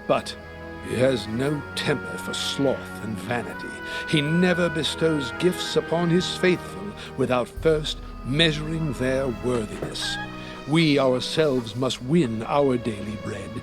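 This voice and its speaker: An actor voicing a devout, earnest man of faith in a video game, speaking in a formal, measured, preachy way. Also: medium pitch. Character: devout, earnest man preaching an old rural hunting god. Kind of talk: scripted video game dialogue.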